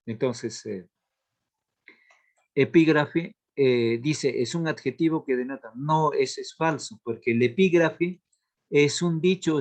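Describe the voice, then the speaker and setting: A man teaching a literature class, explaining slowly and repeating key terms so students can take notes. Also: mid-range voice. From Latin America. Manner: slow, repeats key terms for note-taking. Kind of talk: classroom lesson.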